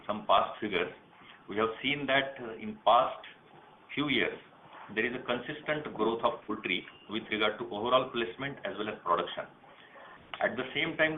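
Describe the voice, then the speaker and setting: A man with an Indian accent answering questions formally on an earnings call, in the measured way of a senior company manager. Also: mid-range voice. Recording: tinny phone line, some noise.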